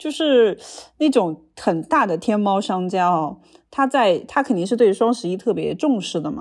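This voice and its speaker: A woman's medium-pitched voice with a slight Shanghai accent, lively intonation, and a moderate pace against a quiet background. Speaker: clothing brand co-founder. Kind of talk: casual chat.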